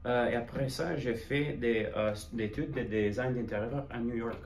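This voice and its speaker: A man's voice: mid-range voice, moderate pace. Italian-accented man in an echoey room. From Italy. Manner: brief answers, non-native French mixed with English terms. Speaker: guest, interior designer. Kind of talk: conversational interview answers. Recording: roomy echo, noticeable background noise.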